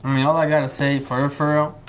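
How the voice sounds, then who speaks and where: Relaxed young man co-hosting news. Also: medium pitch, quick pace, a little hiss or hum. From Cuba. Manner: relaxed, joking, repeats himself. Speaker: student news co-host. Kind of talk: casual chat and scripted news reading.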